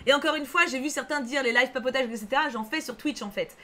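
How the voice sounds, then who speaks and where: Her voice is high-pitched, pushed and bright, and she talks fast while streaming live. She chats loosely with viewers, reading chat aloud, reassuring them and repeating herself with frequent fillers.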